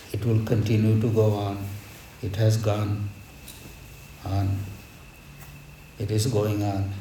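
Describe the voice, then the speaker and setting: Slow, reverent man preaching in an echoey space. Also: fairly low pitch, warm tone. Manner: reverent, measured, reflective, with deliberate pauses. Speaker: spiritual teacher leading a devotional gathering. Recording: echoey space with background noise.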